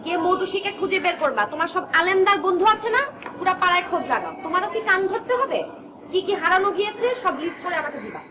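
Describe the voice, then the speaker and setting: A woman's voice: extremely high pitch, expressive, quick pace. An actress playing an exasperated woman who scolds her household in a TV drama. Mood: scolding. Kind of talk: TV drama acting. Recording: echoey room with noticeable background noise.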